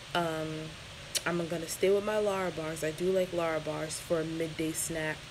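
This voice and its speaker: A woman speaks at a fairly low pitch in monotone, flat intonation. Audible room echo and noticeable background noise accompany her. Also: moderate pace. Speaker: vlogger. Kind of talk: casual vlog monologue. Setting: at home, baby sleeping nearby. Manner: hesitant, many fillers; loud.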